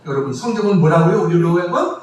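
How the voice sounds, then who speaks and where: A man preaching from the pulpit in a high, ringing voice, throwing rhetorical questions at his congregation and calling them to read scripture with him. He sounds distant from the mic, his words bouncing around a very reverberant church sanctuary with faint room noise underneath. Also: animated, quick pace. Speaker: pastor. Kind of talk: sermon.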